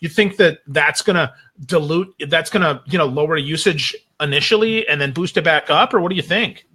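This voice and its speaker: A man's voice: a little high, a little fast, pushed and bright, husky. A man chatting casually as a talk show guest, emphatic and joking in an informal way.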